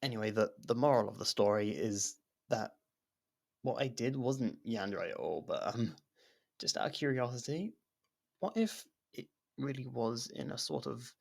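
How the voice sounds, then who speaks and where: A man's voice: mid-range voice, vocal fry. A man acting a nervous, awkward, secretly obsessive young lover in an intimate ASMR roleplay, stammering and backtracking as he talks. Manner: stammering, hesitant, self-conscious, backtracking. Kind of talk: ASMR roleplay, intimate one-sided dialogue.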